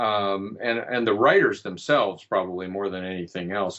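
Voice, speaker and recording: Fairly low in pitch, a man's voice moves with ordinary pitch variation. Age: 60s. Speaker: writer. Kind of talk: interview. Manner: halting.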